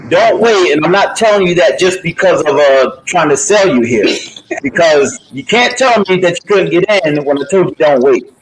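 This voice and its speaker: A man's voice: fairly high pitch, lively intonation, moderate pace, rough recording. Upbeat motivational man promoting an event. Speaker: boxing promoter. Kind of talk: casual promotional chat.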